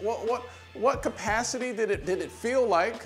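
Faint music plays in the background. The speech moves at a moderate pace. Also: man. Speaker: sports show host. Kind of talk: presenter intro and interview questions. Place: studio. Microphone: lapel.

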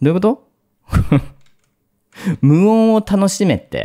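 A dark, mellow tone comes through a dry, close sound that has no echo. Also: man. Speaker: horror game streamer. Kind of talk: game commentary.

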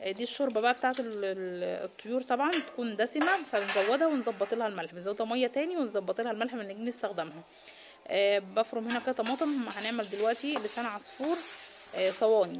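In an Egyptian accent, a woman speaks at a fairly high pitch with lively intonation. Noticeable background noise runs beneath her voice. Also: fairly quick pace. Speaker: family vlogger. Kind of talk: cooking tutorial; casual vlog narration. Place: home room. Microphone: phone near.

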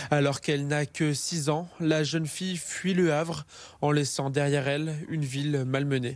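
The delivery is monotone and flat. It moves at a moderate pace. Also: man, fairly high pitch for a man. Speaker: news reporter. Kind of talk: TV news voice-over.

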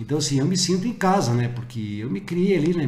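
Lively intonation from a man at a fairly quick pace, with audible room echo. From Lages, Santa Catarina, southern Brazil; Santa Catarina, Brazil. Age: 50s. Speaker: retired military police officer, former municipal environment secretary, pre-candidate; guest. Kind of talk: interview; interview answer. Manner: hesitant, repeats words. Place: studio.

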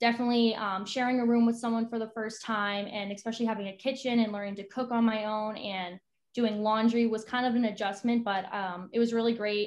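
With an American accent, a woman speaks at a fairly quick pace. Her intonation stays monotone and flat. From New England, US. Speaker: student ambassador. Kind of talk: roundtable discussion. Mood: friendly, relaxed. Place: home room. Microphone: webcam.

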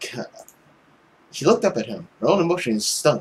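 With big swings in pitch, a man at medium pitch speaks at a moderate pace, his voice carrying a husky, rough edge.

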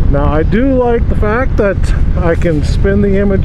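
A man's voice against noticeable background noise. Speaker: motorcycle vlogger. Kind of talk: casual vlog chat. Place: motorbike. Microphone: helmet.

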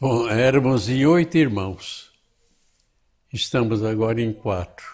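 Against a quiet background, a man's voice comes across somewhat breathy. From São Paulo state, Brazil. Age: 80s+. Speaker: spiritist elder; interviewee. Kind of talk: interview, life story. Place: home room. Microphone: lapel.

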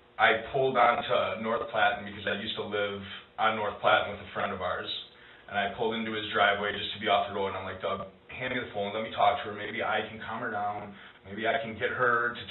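A man speaks with monotone, flat intonation. There is audible room echo and light background noise. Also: fairly quick pace. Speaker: interviewee. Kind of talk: interview answer. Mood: calm, explanatory. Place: meeting room. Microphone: camera far.

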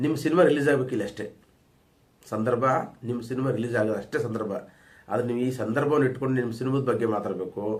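With audible room echo, a man talks at a medium pitch with ordinary pitch variation. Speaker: YouTube channel host, commentator. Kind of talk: opinion monologue to camera. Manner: impassioned, emphatic.

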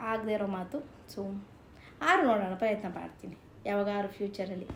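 A woman's medium-pitched voice, with noticeable background noise and audible room echo. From Karnataka, Mandya district (Maddur taluk village). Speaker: lifestyle vlogger. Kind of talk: casual Q&A vlog.

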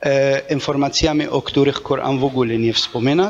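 Moderate pace and ordinary pitch variation, with light background noise. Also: man. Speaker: panelist. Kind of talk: debate answer. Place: meeting room. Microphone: handheld.

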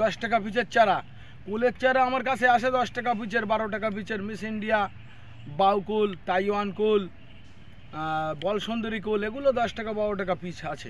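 A high male voice with fairly even intonation, dry with no echo. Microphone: phone near.

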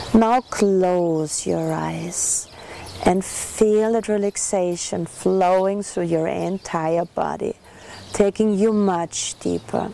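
Speaking in an Austrian accent at a very slow pace, a woman uses a soothing tone and fairly even intonation, the sound dry with no echo and light background noise. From Austria, Vienna. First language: German. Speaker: hypnotherapist and relationship coach. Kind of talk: guided hypnosis induction, slow suggestive instructions to relax and deepen trance. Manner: slow, soothing, hypnotic pacing with counted-down cues; warm, intimate, affectionate address to the listener. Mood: calm, soothing. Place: garden.

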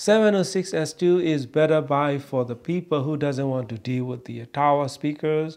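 In a quiet background, a man speaks at a fairly slow pace. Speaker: audio equipment reviewer. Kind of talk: product review commentary. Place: home room.

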